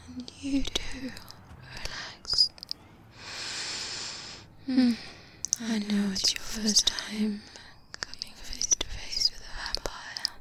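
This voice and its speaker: Woman playing a slow, soft-spoken vampire lady. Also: a little high. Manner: formal, deliberate, silky veiled threats. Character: proud, composed vampire woman, cordial yet subtly menacing. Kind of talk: soft-spoken ASMR roleplay. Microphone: close-up binaural microphone. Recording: clear hiss, close binaural mic.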